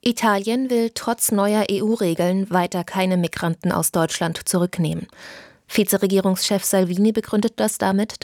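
A woman reading the radio news in a measured, even way in a studio. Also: lowish voice, no room sound. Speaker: newsreader. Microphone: studio microphone.

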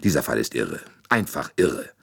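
Man doing a brash american private eye, drawly and blunt, raspy underneath. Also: very deep voice, very animated, normal speed, fairly bright tone, heavily acted. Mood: resigned.

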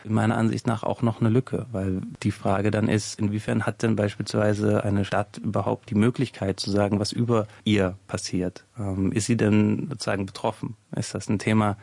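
Male expert guest, low gravelly voice, thoughtful explaining tone. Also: darkish tone, no echo. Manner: measured, explanatory, thinking aloud. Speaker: guest sociologist. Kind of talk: expert radio interview.

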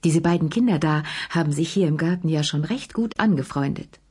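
A woman reading a fussy, gushing middle-aged mother who repeats every phrase twice in a shrill, effusive voice. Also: brisk, darkish tone, slightly rough.

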